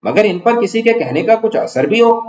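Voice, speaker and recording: A man's voice: high-pitched, lively intonation, a little mellow, voice pushed up. A man voicing a fussy, bossy middle-aged wife as he reads a play aloud in class, in a chiding, fretful manner. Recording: echoey room, dull lo-fi sound.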